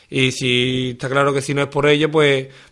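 Monotone, flat delivery from a man at medium pitch, moderate pace, over a quiet background. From Lebrija, Andalusia, Spain; Andalusia, Spain. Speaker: footballer and youth football school head. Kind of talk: press conference presentation. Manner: halting, many repetitions. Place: meeting room. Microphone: podium.

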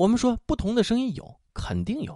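Male speaker, moderate pace, quiet background. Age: 40s. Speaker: audiobook narrator and literary commentator. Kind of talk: casual late-night commentary monologue. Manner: conversational, addresses listeners directly.

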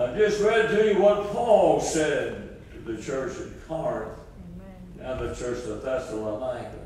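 Strong room echo and light background noise frame a man speaking at a fairly slow pace with very wide pitch swings. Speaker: preacher. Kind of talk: prayer then sermon. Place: church. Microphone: camera far.

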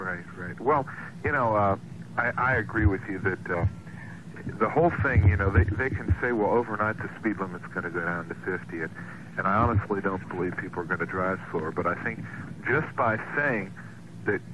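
Through noticeable background noise, a man with an American accent speaks at a fairly quick pace and a fairly low pitch, with lively intonation, long, frequent pauses and a dry sound with no echo. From United States, Terre Haute area. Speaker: radio caller. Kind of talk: phone call to a radio show, casual conversation.

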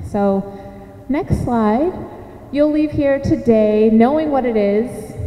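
Against noticeable background noise, a woman with an American accent and a high pitch speaks very slowly, with long, frequent pauses. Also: ordinary pitch variation. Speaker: food sovereignty consultant and lecturer. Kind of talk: conference presentation. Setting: stage with audience.

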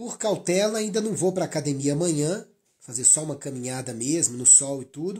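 A man's somewhat breathy voice with a dark, mellow tone, fairly high pitch, lively intonation and moderate pace, in a very clean recording with a silent background. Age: 40s. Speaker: physician answering health questions. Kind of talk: live Q&A stream.

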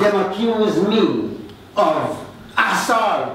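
Heard through strong room echo and light background noise, a man talks at a very slow pace. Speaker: poet performing. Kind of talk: poetry performance. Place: hall.

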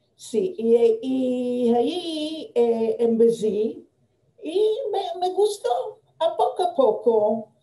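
Against a quiet background with audible room echo, a woman with a high pitch and a dark, mellow tone speaks at a very slow pace, her pitch swinging very widely. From Israel, Tel Aviv. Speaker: heritage language activist. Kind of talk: interview. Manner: halting. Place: home room. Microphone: video call.

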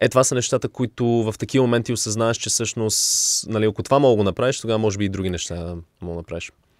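Speaking at a very fast pace, a man with a medium pitch comes through a dry, echo-free sound over a quiet background. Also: ordinary pitch variation. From Canada and US, born in Sofia. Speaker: filmmaker and entrepreneur; podcast guest. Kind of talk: casual interview chat. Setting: studio. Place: studio. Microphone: studio mic.

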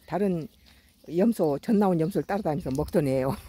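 Lively intonation in a dry sound with no echo. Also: woman. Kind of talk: casual vlog chat. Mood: amused, affectionate. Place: open country. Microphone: phone near.

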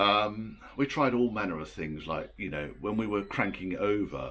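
Vocal fry marks this man's voice as he speaks at a moderate pace. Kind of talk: casual vlog chat. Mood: frustrated, wry. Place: workshop. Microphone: phone near.

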